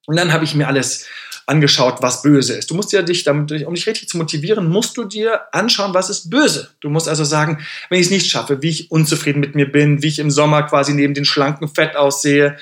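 A man's voice: on the high side, brisk. A man hosting a casual livestream, talking motivation and acting out the voices in his head as he thanks viewers. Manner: animated, thanks viewers for gifts mid-sentence; acts out inner voices in quoted asides. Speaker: livestream host.

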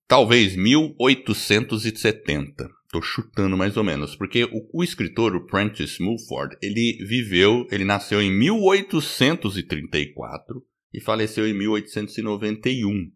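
A male podcast host with a fairly low voice that rises and falls with animated energy. He chats casually and laughs often as he talks through the episode. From United States. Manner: lively, animated delivery with quick laughs.

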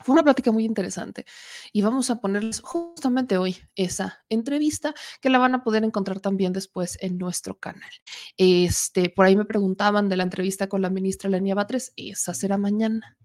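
A Mexican woman in her thirties hosts a casual political talk show. She chats and jokes, throws asides to her producer, and sounds a little worn from an allergy cough. Her pitch sits in the middle range. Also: normal speed, darkish tone. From Puebla, Mexico. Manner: chatty and joking, with asides to the producer. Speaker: political commentary host.

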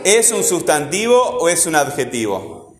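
A man's voice: a little high, sing-song, measured pace, slight background noise. A man teaching a grammar lesson, asking his students questions and often answering them himself. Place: classroom. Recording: echoey room with long reverb, faint ambience.

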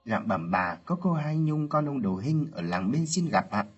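A man's voice: medium pitch, very animated, moderate pace, breathy edge, voice pushed up. A man voicing a humble young male household servant who answers politely and deferentially. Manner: polite, bowing speech. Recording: lo-fi with faint music.

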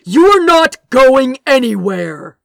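A woman's voice: sits high, big pitch swings, slow, creaky, no room sound, studio quality, voice pushed up, full character voice. Woman voicing an arrogant, domineering royal older brother. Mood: thundering fury. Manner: stern, condescending, clipped commanding delivery.

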